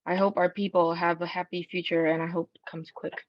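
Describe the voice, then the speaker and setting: A woman's voice: lowish voice, flat delivery, fairly quick, dry recording. A woman giving an earnest, informal comment as an audience member on a lo-fi video call. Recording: dull, lo-fi video call audio.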